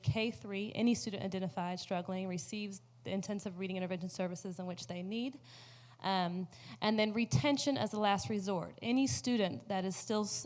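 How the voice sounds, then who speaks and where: A woman's voice: medium pitch, darkish tone. Woman answering at a policy panel. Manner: earnest, many ums. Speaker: panelist, education policy director.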